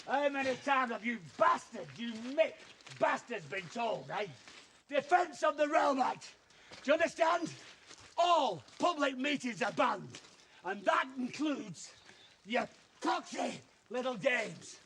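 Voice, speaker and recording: A bullying, high-pitched soldier. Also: male voice, expressive, unhurried, fairly bright tone, a little hiss or hum, full character voice. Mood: barking. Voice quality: harsh and abusive. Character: brutal, bullying male soldier barking orders. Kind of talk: film drama acting.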